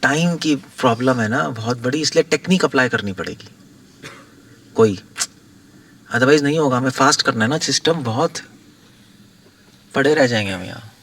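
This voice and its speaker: Gravelly male monk giving casual guidance, repeats his points, mic at a distance. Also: mid-range voice, expressive, moderate pace, long pauses, fairly bright tone, a little hiss or hum. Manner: conversational, repeats points, chuckles. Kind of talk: informal spiritual discourse.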